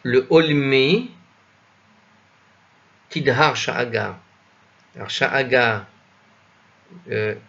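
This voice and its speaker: A man teaching a commented reading of an old religious text, thinking aloud with many hesitations and self-corrections, slowly sounding out foreign words. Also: mid-range voice, fairly bright tone, lo-fi sound. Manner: spells out Hebrew and Old French words slowly. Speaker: Talmud study teacher.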